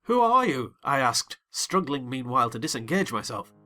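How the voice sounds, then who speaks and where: A man reading a novel aloud as a dramatized audiobook, theatrical and quick to rise into excited shouts. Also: mid-range voice, soft background music. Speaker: narrator.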